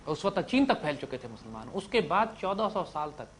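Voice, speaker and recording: A man with a Pakistani Urdu accent giving an impassioned religious lecture to young students, swinging between loud declaiming and low-voiced asides. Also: very animated, fairly quick, slight background noise.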